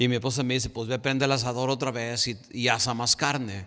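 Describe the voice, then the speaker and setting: A man with an unremarkable speaking voice at a medium pitch and a fairly quick pace. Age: 60s. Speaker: pastor. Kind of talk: sermon.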